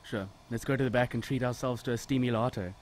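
A man plays a smug male hairdresser in a radio play, slick and predatory behind a respectable front. His mid-pitched voice oozes suggestion and turns easily to taunting. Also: fairly quick, slight background noise, natural voice. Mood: oily charm. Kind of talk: audio drama acting.

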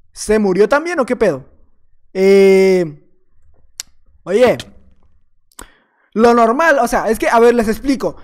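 A man with a Mexican accent giving live gameplay commentary as a gaming YouTuber, joking and rambling as he chats playfully with the other players. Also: very high voice.

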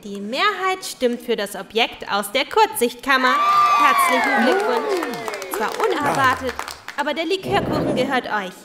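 A woman playing an officious little storybook creature who runs a council meeting in a children's audio drama, announcing things deliberately. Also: high voice, huge pitch swings, over a noisy crowd, heavy background noise. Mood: official.

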